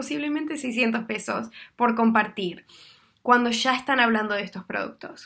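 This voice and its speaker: A woman's voice has a bright, sharp tone and a fairly high pitch. The background is quiet. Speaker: network marketing leader. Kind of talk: tutorial. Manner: casual, friendly. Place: home room. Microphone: webcam.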